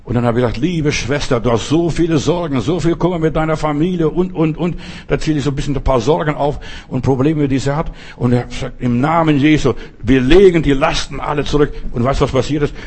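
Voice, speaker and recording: Man, husky voice, fervent preacher, repeats himself, talks straight to the congregation. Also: a little high, fast, a little mellow. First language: not German. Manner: fervent, repetitive, addresses listeners directly. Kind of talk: sermon with personal testimony.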